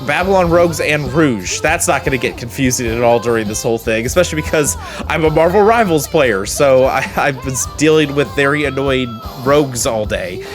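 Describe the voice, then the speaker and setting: A man's voice: medium pitch, animated, a little fast, hardly any pauses, music in the background. Casual male reaction host, mid-range voice. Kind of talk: casual chatty commentary.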